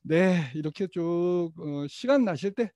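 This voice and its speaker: A middle-aged man runs a workshop in a chatty, easygoing way and coaxes his listeners to repeat phrases after him. His voice sits a bit high and sounds soft and mellow. The recording is dry and slightly dull. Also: animated, slow, dry recording. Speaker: teacher trainer. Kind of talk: workshop lecture.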